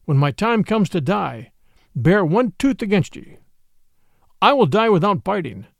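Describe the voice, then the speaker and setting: A man's voice: high voice, no room sound, studio quality, full character voice. A man voicing an old, weary male wolf leader, proud and dignified, speaking solemnly in a storybook reading. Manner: solemn, measured, old-fashioned speech.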